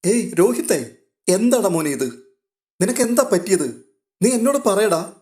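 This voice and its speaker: A man's voice: fairly high pitch, normal speed, darkish tone, lightly acted. A man voicing an anxious, loving young woman who is a tender elder sister, speaking in a raised, pleading way.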